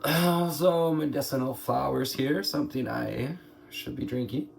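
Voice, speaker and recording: A man with a scratchy, hoarse throat gives an unhurried spiritual card reading, musing aloud through pauses. His voice is gravelly and sits at a middling pitch. Faint noise hums behind him. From United States. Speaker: tarot reader.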